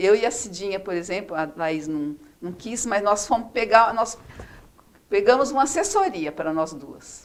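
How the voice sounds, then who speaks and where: A woman's fairly high voice with very wide pitch swings, at a fairly slow pace. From Brazil, Araçatuba region of São Paulo state. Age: 60s. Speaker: former city councillor. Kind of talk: interview.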